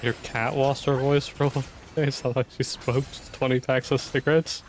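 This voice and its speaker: A young man giving chatty, offhand commentary while he plays a game, swearing now and then and clearing a throat that is going hoarse. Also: mid-range voice, flat delivery, fairly quick, a little hiss or hum. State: losing his voice, clearing throat. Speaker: streamer. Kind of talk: casual gameplay commentary.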